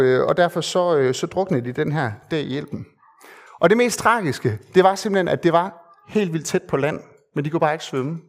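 A man preaching a sermon in an earnest, conversational way, with hesitant fillers and repeated phrases for emphasis. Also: fairly high pitch.

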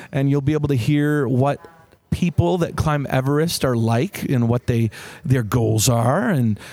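A man's voice: mid-range voice, darkish tone, no room sound. Male interview host, hesitant and filler-heavy, casual. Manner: halting, many "uh" fillers. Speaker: podcast host.

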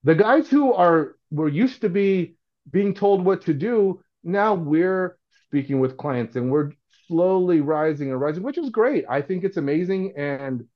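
A middle-aged man appears as a podcast guest, speaking casually and earnestly in a high, animated voice at a measured pace. He rambles and frequently restarts his sentences, and the recording sounds dull and lo-fi.

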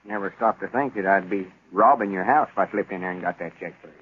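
A man's voice: sits low, fast, close to an everyday voice. An actor playing a stubborn, sheepish old country man, drawling in a rural Southern US accent in a 1930s radio comedy. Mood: grumbling. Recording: tinny, hissy 1930s radio recording.

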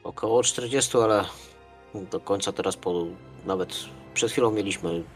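A man's voice: fairly low pitch, moderate pace. A man improvising in character as a player in a tabletop role-playing game, polite and a little hesitant. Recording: music under the voice.

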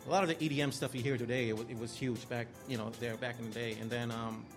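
A man with an Austrian accent talks quickly and easily about his own path, with a wry, self-deprecating touch. Music plays clearly underneath his voice the whole time. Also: medium pitch, fairly even intonation. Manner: fast, easygoing, self-deprecating. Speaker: guest, music A&R. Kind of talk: casual interview storytelling. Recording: music playing behind.

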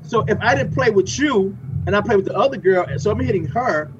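High-voiced man in his fifties, storytelling. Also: fairly quick, dull audio. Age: 50s. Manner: animated storytelling. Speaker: host. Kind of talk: casual panel chat.

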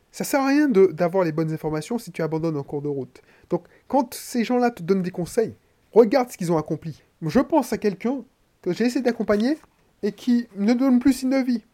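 A man's voice: sits high, dark tone. A man from Martinique with a head cold, a podcaster and coach talking bluntly and slangily straight to the listener in a casual monologue.

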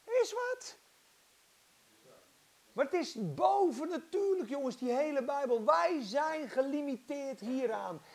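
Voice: high-pitched, expressive, a little slow, creaky, few pauses, darkish tone. A preacher delivering an impassioned, dramatic sermon and acting out Bible stories.

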